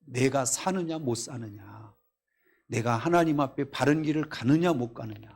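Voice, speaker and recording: A man preaching a Korean sermon at a Friday night service, reading scripture aloud, telling stories and asking the congregation questions, swinging between loud exclamations and quiet asides. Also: medium pitch, husky. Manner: reads scripture in a raised voice. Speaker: pastor. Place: church.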